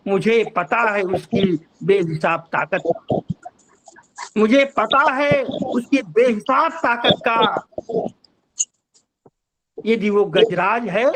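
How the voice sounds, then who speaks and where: A man's voice: very high-pitched, a bit bright, rough recording. A man, a poet, reciting his ghazals over a video call and repeating each couplet twice.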